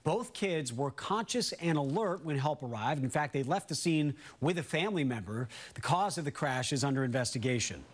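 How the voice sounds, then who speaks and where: A man's voice: on the high side, expressive, normal speed, few pauses. A man anchoring a morning newscast, reading scripted stories. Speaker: news anchor.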